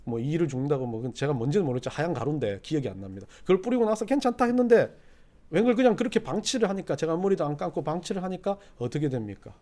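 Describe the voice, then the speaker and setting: A middle-aged man preaches in a church, his voice sitting high and moving widely up and down. He drifts between chatty, quiet anecdotes and loud, pressing exhortation. The delivery is that of a pastor at the pulpit. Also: big pitch swings, rapid-fire. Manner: folksy storytelling, swinging from quiet asides to loud exhortation. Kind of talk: sermon. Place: church sanctuary.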